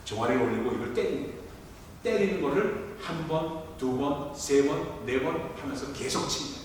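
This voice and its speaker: Pastor preaching, higher voice, long echo from far off in a big church. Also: male voice, moderate pace, a little hiss or hum. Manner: storytelling, acting out quotes, shouting at peaks. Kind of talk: sermon. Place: large church sanctuary. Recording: echoey hall from far off.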